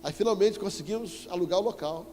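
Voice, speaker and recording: A man with a Brazilian Portuguese accent preaching a sermon as an apostle, telling a story with animated emphasis and sudden loud exclamations. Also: high-pitched, fast. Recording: echoey church hall with faint music.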